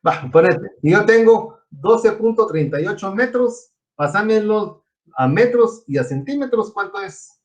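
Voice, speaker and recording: A man's voice: high-pitched, lively intonation, a little slow, highs cut off. A man from Guatemala teaching an online engineering class, explaining step by step and quizzing his students. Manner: explanatory, asks students questions.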